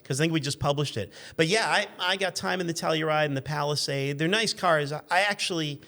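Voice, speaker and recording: A man's voice: on the high side, fairly quick, sharp tone. A man in his fifties chatting casually as a guest, telling anecdotes in a self-deprecating, joking, rambling way. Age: 50s. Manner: rambling, digressive. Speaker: guest, car magazine editor and former radio intern.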